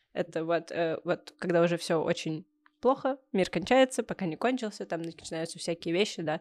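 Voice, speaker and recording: The recording is very clean, with a silent background, and captures a woman in an ordinary speaking voice. Her pitch is fairly low, her pace moderate and her intonation lively. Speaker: podcast co-host, English teacher. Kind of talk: casual chat.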